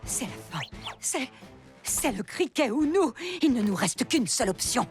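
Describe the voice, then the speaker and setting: A woman voicing a frantic, theatrical middle-aged aunt in an animated cartoon. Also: a little high, measured pace. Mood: grimly determined. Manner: theatrical, grandiose, excitable. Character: frantic, dramatic aunt obsessed with catching a cricket. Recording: loud music underneath.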